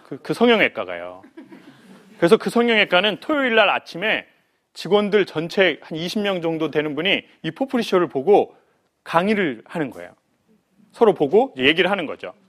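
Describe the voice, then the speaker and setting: A male lecturer with a fairly high voice that swoops up and down a great deal. He tells his stories in a playful, animated way and slips into acted voices for the people in them. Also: normal speed. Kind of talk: humorous life lecture to an audience.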